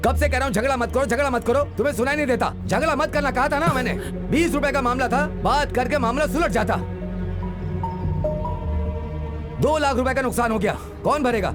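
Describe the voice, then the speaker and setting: An actor playing an exasperated parent, scolding insistently in a drama. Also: male voice, on the high side, brisk, few pauses, over music, lightly acted. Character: exasperated parent scolding over a costly brawl.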